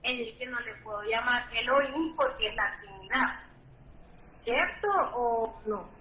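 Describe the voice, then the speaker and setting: A woman's voice: fairly high pitch, measured pace, bright, forceful tone, reverberant, a little hiss or hum, rough recording. A woman student asking her teacher a question, hesitant and searching for her words.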